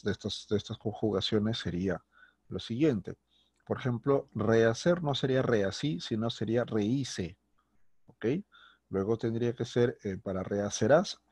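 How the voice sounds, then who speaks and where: A man's voice: on the low side, darkish tone, breathy edge, no echo. A male teacher giving a grammar lesson with a Peruvian Spanish accent, patient and repetitive, often checking in with his students. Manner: patient, repeats words and checks with "¿ok?" and "¿listo?".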